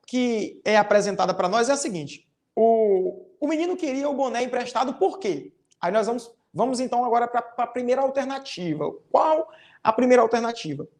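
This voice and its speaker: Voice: medium pitch, a little mellow. A teacher with a Brazilian Portuguese accent giving a recorded online class to young pupils. The teacher explains step by step, often ends phrases with a tag question, and reads out example lines with exaggerated intonation.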